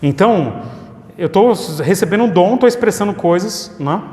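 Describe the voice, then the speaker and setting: A man with a fairly high voice leads a church Bible study in a conversational, explanatory way. His voice rings through an echoey hall with a long reverb. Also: expressive, normal speed, a little mellow. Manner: explanatory, conversational, repeats questions for the audience. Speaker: pastor.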